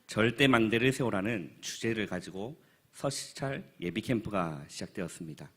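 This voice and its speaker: A man in his thirties, a pastor, giving an earnest spoken report at a church forum, with halting speech and many filler pauses. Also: on the low side, expressive, breathy edge. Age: 30s.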